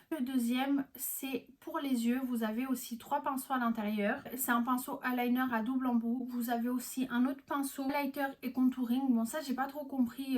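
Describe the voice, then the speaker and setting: A young woman vlogging casually, chatty and enthusiastic, with many fillers and restarts. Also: on the high side. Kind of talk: casual gift-guide vlog.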